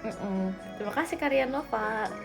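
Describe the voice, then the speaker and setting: A young woman in her twenties with a high, light voice chats on a live stream, answering viewer comments in a teasing, giggly way. Faint music plays quietly underneath. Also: normal speed, vocal fry. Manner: giggly, playful, teasing, frequent laughter. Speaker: idol livestreamer.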